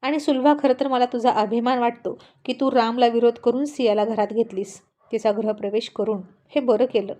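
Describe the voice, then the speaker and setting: A woman's voice: a little high, fairly even intonation, moderate pace, few pauses, dark tone, lightly acted. Woman doing a middle-aged father, curious, approving, proud. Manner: questioning, approving.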